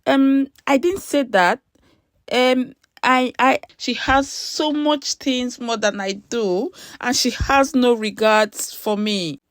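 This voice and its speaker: A woman's voice: fairly high pitch, takes it slowly, no room sound, pitched above the performer's own voice. A bitter and envious young woman from a dramatic moral tale, acted out by a female storyteller. She sounds resentful of her closest friend, and the recording is dry. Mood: trembling, hesitant. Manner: hesitant, stammering when confronted.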